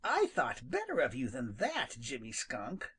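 A storybook narrator voicing a timid, indignant young male rabbit in a high, excited voice. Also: measured pace, breathy edge, exaggerated voice.

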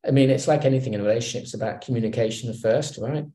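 A middle-aged man from Hong Kong, a guest on a video call interview, speaking in a relaxed, reflective way with many fillers and restarts. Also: medium pitch, very fast. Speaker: guest executive. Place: home room. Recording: roomy video call audio.

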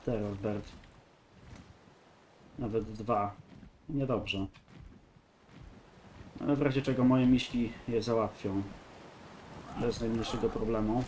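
A man's voice: on the low side, steady tone, slow, long pauses, dark tone, a little hiss or hum, poor audio. A man with a congested, nasal voice giving casual gameplay commentary, rambling and thinking aloud. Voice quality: nasal, stuffy nose. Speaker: gaming video host.

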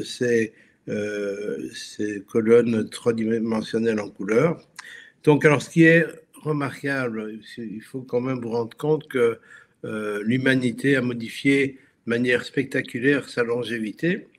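A man born in Belgium presents slides to an online audience, and his delivery stumbles often, with restarts and fillers between phrases. He speaks over a video call with a faint noise behind him. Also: mid-range voice. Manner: halting, many restarts and fillers. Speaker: guest speaker. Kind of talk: webinar presentation.

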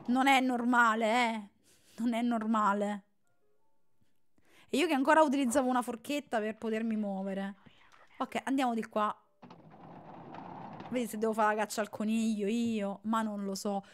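A young woman streamer giving casual live commentary on a horror game, excitable, joking and yelling threats at the characters on screen. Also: on the high side. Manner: excitable, yells and jokes at the game.

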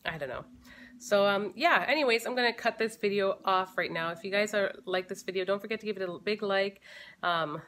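A woman's voice: mid-range voice, brisk, a bit bright, slight background noise. A woman in her thirties chatting casually to camera in her living room, thinking aloud with fillers and restarts. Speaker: family vlogger. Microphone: camera close in front.

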